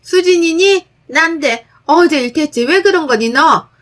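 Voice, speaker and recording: A woman's voice: high-pitched, lively intonation, unhurried, fairly bright tone, voice pushed up. A woman voicing a domineering older mother-in-law who scolds shrilly and indignantly. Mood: scolding.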